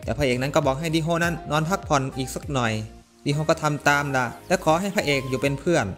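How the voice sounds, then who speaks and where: A man narrates an anime recap at a rapid clip in a fairly high voice, casual and chatty with slangy asides. Faint music plays under him.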